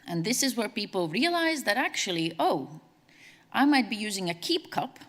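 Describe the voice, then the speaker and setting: A woman from Latvia, giving a brisk, conversational conference presentation as a CEO. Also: medium pitch, very animated, a bit bright. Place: large conference hall. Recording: long hall reverb.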